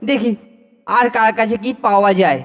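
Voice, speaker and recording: A man's voice: high-pitched, moderate pace, natural voice. A man voicing a boastful, greedy older schoolboy bully in a children's cartoon, teasing and theatrical. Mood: gloating. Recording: long reverb, music behind.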